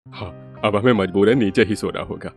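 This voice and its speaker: A man voicing an agreeable, thrifty middle-aged father-in-law in an animated story. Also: fairly low pitch, moderate pace, soft background music, natural voice. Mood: plain.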